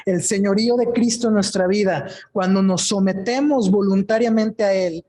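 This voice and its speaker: A man's voice: sits high, steady tone, normal speed, dark tone. Male pastor, sermon to a live congregation, chatty delivery, keeps checking in with the room. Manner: conversational preaching, often asks the congregation questions; frequent tag questions and restarts. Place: church service before a congregation.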